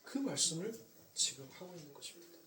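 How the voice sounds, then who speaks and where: A male pastor with a Jeolla accent preaching a sermon, swinging from loud emphasis to near whispers and slowing down on key points. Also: on the high side, big pitch swings, echoey room, far from the mic, a little hiss or hum. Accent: Jeolla Korean. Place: church sanctuary.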